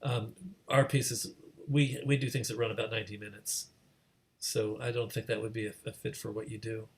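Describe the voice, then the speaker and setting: A man's voice: lowish voice, little pitch movement, moderate pace. Hesitant man moderating an online meeting. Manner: hesitant, meandering. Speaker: host, moderator. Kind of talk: casual moderating of an online question session. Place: remote video call.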